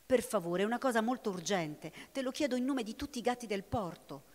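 A woman's voice: fairly high pitch, expressive, brisk, voice pushed up. A woman voicing a big black male harbor cat who talks in an earnest, pleading way, in a storybook reading recorded in a hall with long reverb. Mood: insistent.

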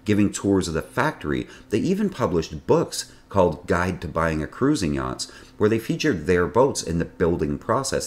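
A man in his forties delivers a scripted sailing-channel narration, his voice low and deep. His pitch swings widely as he talks, with a chatty, wry manner and dry asides. He is recorded indoors in a home office, at a desk camera a short distance away.

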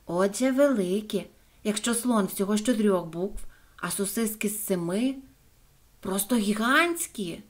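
A woman voicing a clever, stubborn little female dog in a storybook reading, high and insistent. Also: expressive, measured pace. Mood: indignant.

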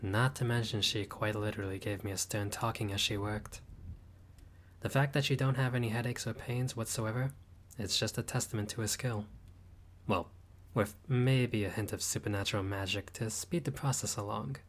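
A man's voice: steady tone, normal speed, slight background noise, natural voice. A man voicing a friendly, laid-back male vampire host with dry teasing humor in a roleplay audio. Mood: wry. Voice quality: low voice, dry teasing humor, grandly theatrical at times.

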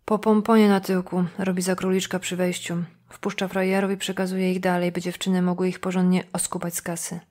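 A woman's voice: on the low side, flat delivery, fairly quick, hardly any pauses, darkish tone, close to an everyday voice. A woman reading an audiobook voices a brash, street-smart woman who talks in a coarse, mocking way. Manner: coarse, sneering, blunt. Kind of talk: audiobook dialogue.

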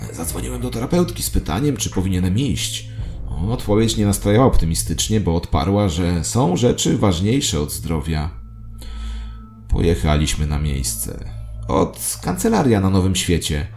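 A man's voice: sits low, animated, normal speed, a little mellow, faint music behind. A man narrating a scripted first-person audio drama as a storyteller.

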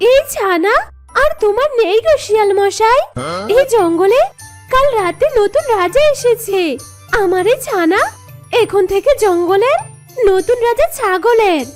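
A very high, childlike cartoon bird voice. The little mother is naive and timid, pleading with a nervous stammer, with music behind. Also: animated, measured pace.

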